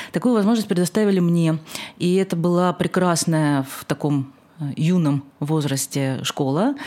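A woman talks with a fairly low pitch and ordinary pitch variation. Noticeable background noise runs behind her. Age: 40s. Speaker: journalist. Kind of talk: interview.

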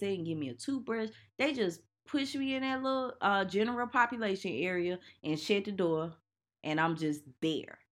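A woman speaks at a moderate pace in a medium pitch, her animated tone carried by very wide pitch swings over a quiet background. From US South, Birmingham, Alabama. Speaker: podcast host, real estate investor. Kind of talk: personal storytelling monologue.

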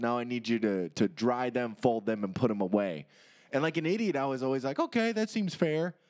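With an American accent, a man talks at a fairly quick pace in a medium pitch and a normal speaking voice. The recording is very clean, with a silent background. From US Midwest, Chicago. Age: 20s. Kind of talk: casual chat.

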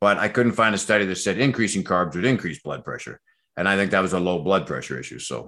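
Vocal fry runs through this man's bright, sharp tone as he talks at a very fast pace. His intonation is lively, and the background is quiet. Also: fairly low pitch for a man. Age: 50s. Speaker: fitness YouTuber. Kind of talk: casual interview.

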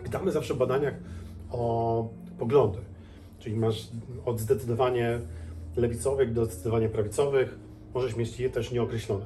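Through audible room echo, a man talks at a fairly quick pace with long, frequent pauses, medium pitch and fairly even intonation. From Poland, Lower Silesia (Bolesławiec). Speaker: head of a polling company. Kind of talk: interview. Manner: halting, many fillers.

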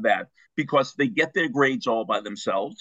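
Bright and sharp in tone, a man speaks at a fairly slow pace with vocal fry and very wide pitch swings, in a dry, close sound with no echo. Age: 70s. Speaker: sports psychologist and motivational speaker. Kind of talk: interview conversation. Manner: animated.

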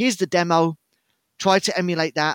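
A man's high voice with a British accent at a fairly quick pace, dry and close with no echo, in a very clean recording with a silent background. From UK. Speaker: outdoorsman and survival instructor. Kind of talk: casual interview conversation.

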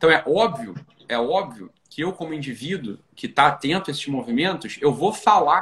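The speaker has an ordinary speaking voice with lively intonation. The pace is fairly quick. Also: man. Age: 30s. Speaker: political commentator. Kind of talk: casual chat.

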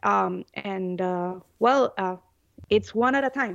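Against a quiet background, this voice has a Spanish accent and ordinary pitch variation. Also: woman. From Honduras. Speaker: sports podcast co-host. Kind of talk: casual sports podcast discussion. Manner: animated.

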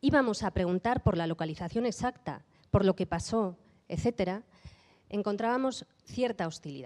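A woman talks at a fairly slow pace in a normal speaking voice with lively intonation. The sound is dry and close with no echo, on a very clean recording with a silent background. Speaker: journalist. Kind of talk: talk at a public event. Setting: live event with audience.

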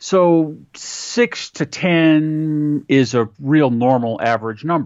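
Very slow speech from a fairly high-pitched man, with hardly any pauses and ordinary pitch variation. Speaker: customer service and tech support lead. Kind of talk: casual interview chat.

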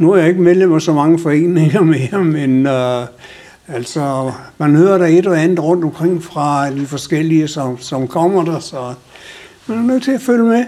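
Speaking at a fairly slow pace, a man uses a fairly high pitch and a dark, mellow tone with ordinary pitch variation. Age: 80s+. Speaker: local resident interviewed. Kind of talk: vox pop interview.

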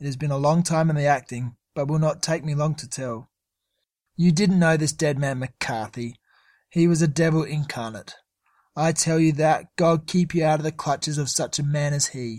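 Over a very clean recording with a silent background, a man speaks at a moderate pace with a fairly high pitch, a somewhat breathy voice, and fairly even intonation. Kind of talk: dramatic confession, gravely reading aloud in character.

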